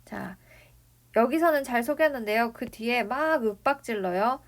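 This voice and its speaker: Lady teacher going through a novel, keeps asking the class stuff, kinda high voice. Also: animated, normal speed. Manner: explains with rhetorical questions to students. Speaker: literature teacher.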